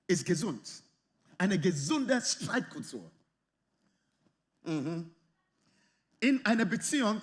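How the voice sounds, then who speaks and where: A man preaching a sermon in lively, slightly non-native German with English phrases mixed in. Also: sits high. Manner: animated, lively, often acts out quoted arguments. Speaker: pastor.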